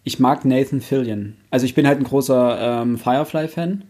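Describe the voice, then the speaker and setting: A man's voice: medium pitch, normal speed, dark tone. A man co-hosting a podcast in a casual, conversational style. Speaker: podcast co-host. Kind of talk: casual chat about books, films and series.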